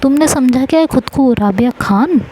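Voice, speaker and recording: A woman voicing an angry, quick-tempered schoolgirl who throws insults and threats in a quarrel. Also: sits high, lively intonation, dark tone, slight background noise, pitched above the performer's own voice. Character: angry hot-headed schoolgirl Ishu.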